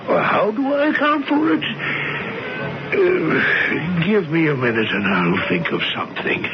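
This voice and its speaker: A wry American humorist in a 1970s radio drama, unflappable and folksy, with a wildly swinging pitch. The sound is a dull radio broadcast with music behind it. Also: male voice, wildly swooping pitch, measured pace. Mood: measured, humoring. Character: wry, folksy American humorist narrating his own tale.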